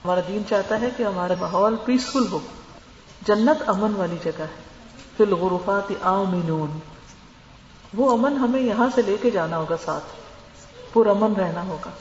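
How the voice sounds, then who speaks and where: A woman who is a religious teacher delivers an earnest lecture, advising her listeners and mixing in English words. Her medium-pitched voice is a little mellow. The recording has slight background noise and a dull, lo-fi sound from an echoey hall.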